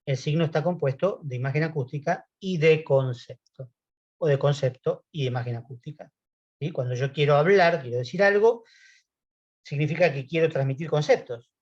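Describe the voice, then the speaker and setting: A man's voice: fairly high pitch, normal speed, a little mellow. A man with an Argentine accent giving a university lecture, explaining in a conversational way and often checking in with his students. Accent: Argentine Spanish. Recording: muffled lo-fi class recording.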